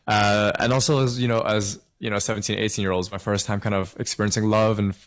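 Upbeat low-voiced young man from Hong Kong. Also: little pitch movement, fast talker. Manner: upbeat, chatty, laughs often. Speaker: singer-songwriter guest. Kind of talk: casual interview over a call.

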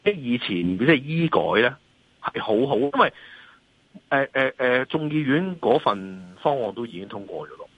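A Hong Kong-accented man, guest analyst and columnist, gives impromptu market commentary in an interview through a dull, lo-fi remote call line with no echo. His medium-pitched voice is sing-song, fairly bright and slightly rough, at a moderate pace, and he speaks emphatically, often asking rhetorical questions to check for agreement.

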